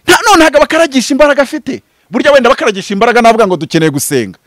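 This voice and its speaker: A man in his thirties from Rwanda, a pastor speaking in an impassioned, preaching style, swinging from loud bursts to low murmurs. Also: expressive, racing, no echo. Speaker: pastor and prophet. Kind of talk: animated preaching-style interview talk. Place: outdoors before green foliage. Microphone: handheld mic held close.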